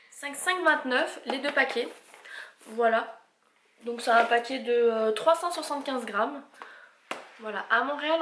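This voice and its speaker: A woman with a high, slightly bright voice chats casually through a shopping haul vlog, listing items and prices and tripping over English brand names. The room is echoey, with faint noise in the background.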